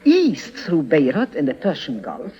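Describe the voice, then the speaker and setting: An actor playing a smooth, ingratiating schemer who talks in a courteous, hesitant, roundabout way. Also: male voice, fairly high pitch, wildly swooping pitch, measured pace, exaggerated voice. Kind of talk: 1950s radio drama. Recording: muffled old radio recording.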